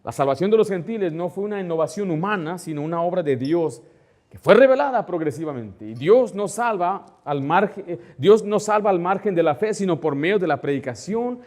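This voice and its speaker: Fairly high-voiced male pastor preaching. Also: lively intonation, brisk. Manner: conversational preaching, asks congregation to follow along; rises louder and higher when stressing a point. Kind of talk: sermon.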